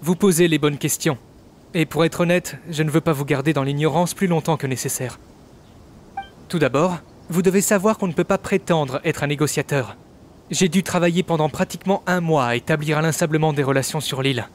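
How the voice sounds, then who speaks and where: A man's voice: a little high, a little fast, a little hiss or hum, lightly acted. A man playing an affable young servant of a noble clan in a game dub, speaking politely and formally. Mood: affable, admiring. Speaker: amateur voice actor dubbing a game character. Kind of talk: scripted game dialogue dub.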